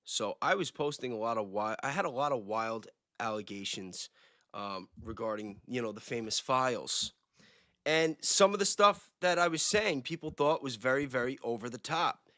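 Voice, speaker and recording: Bright, dry-voiced man chatting casually. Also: medium pitch, lively intonation, moderate pace, no echo. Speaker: livestream guest, self-described independent investigator. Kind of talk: casual livestream chat.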